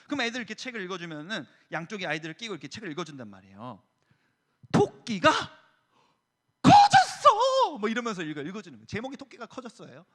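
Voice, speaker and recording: A man in his thirties, a youth pastor giving a lively sermon to high school students and acting out story voices as he tells them. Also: very fast, few pauses. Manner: animated storyteller, acts out voices.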